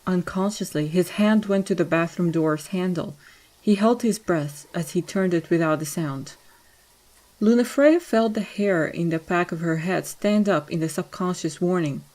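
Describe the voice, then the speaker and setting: A woman's voice: on the low side, moderate pace, a little mellow, poor audio. A woman reading scripted story narration as the narrator of an audio drama.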